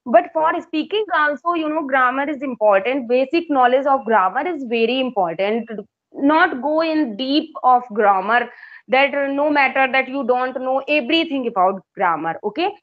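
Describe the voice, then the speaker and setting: A woman's voice: high voice, expressive, normal speed, dull audio. Hindi-speaking Indian woman, hesitant English. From Uttar Pradesh, India. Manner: hesitant, many fillers and restarts. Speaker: English tutor. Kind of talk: casual English conversation practice.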